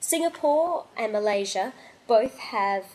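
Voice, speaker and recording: An Australian accent is heard here. The speaker is a woman. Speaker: vegan food expert. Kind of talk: interview. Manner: loud.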